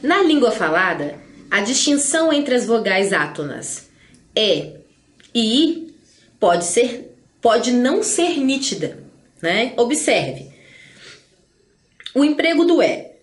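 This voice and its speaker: A Brazilian woman teaching a grammar lesson, explaining in a chatty way and stretching words slowly to stress them. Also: on the high side, big pitch swings, roomy sound.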